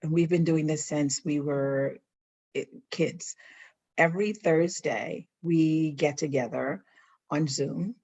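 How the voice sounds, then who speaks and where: A woman's voice: low-pitched, steady tone, slow pace, darkish tone, highs cut off. A woman from the Bahamas, a guest on an interview, talking freely and laughing often. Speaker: interview guest, nonprofit founder. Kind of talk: casual interview chat.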